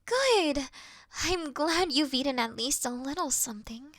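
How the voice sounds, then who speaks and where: A woman playing a caring, worried best friend in an intimate roleplay audio call, speaking softly and soothingly with breathy murmurs. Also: sits high, lively intonation, measured pace, no echo, clean studio sound. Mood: patient, encouraging. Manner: soft, soothing, reassuring, sighing, dropping into breathy murmurs. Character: caring, gentle young female best friend, patient and worried.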